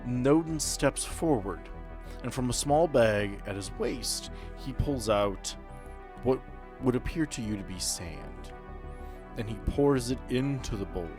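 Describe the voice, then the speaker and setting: A man acting as game master, narrating a tabletop role-playing story deliberately, in short dramatic phrases. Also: mid-range voice, animated, music in the background.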